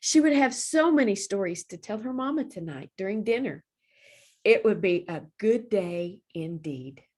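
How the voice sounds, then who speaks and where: Lady reading a picture book to little kids, medium pitch, careful expressive phrasing. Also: moderate pace. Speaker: children's librarian reading storybooks aloud. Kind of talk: storybook read-aloud for young children.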